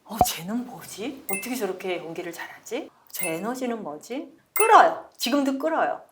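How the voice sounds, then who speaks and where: A woman's voice: medium pitch, lively intonation, normal speed, noisy background. An older woman from Seoul, an actress guest on a talk show, chatting casually and telling anecdotes, acting out quoted dialogue and laughing often. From Seoul, South Korea. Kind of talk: casual interview chat.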